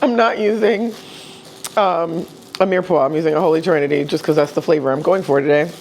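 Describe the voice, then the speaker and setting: A woman with a fairly low pitch talks very fast with ordinary pitch variation over noticeable background noise. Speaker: lifestyle vlogger. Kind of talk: casual vlog talk. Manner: relaxed.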